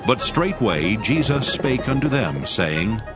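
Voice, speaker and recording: Animated male scripture narrator over music. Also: on the low side, slow.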